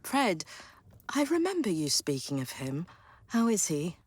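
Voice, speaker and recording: A woman playing a caring Victorian wife and mother in an audio drama, soft and solicitous. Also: lowish voice, sing-song, a little slow, husky, no room sound, full character voice. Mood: tender concern.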